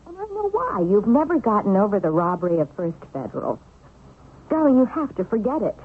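An actress playing a practical, doubting wife in a radio drama, brisk and placating in manner. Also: female voice, medium pitch, sing-song, husky, phone-quality sound. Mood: disbelieving. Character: practical, doubting wife, soothing but exasperated. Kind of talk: old-style radio drama acting. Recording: thin, slightly noisy radio broadcast recording.

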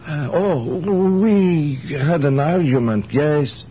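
An actor in a radio drama playing a placating, easily offended immigrant shopkeeper with hesitant, formal phrasing. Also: male voice, a little high, slow pace. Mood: defensive. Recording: muffled, noisy old radio broadcast recording.

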